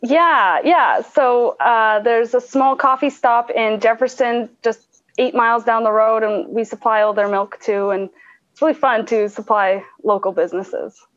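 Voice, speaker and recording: A woman with a Canadian accent and a normal speaking voice, fairly high in pitch with ordinary pitch variation, at a moderate pace with hardly any pauses and very even loudness, over a quiet background. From Canada. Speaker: dairy farmer. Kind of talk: interview.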